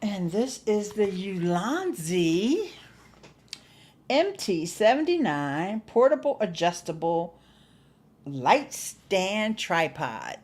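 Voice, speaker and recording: A woman's voice: medium pitch, big pitch swings, takes it slowly, a little mellow. A middle-aged woman chatting casually to livestream viewers as host, folksy and playful, leaning on words for emphasis. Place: small indoor home studio. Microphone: desktop microphone close by.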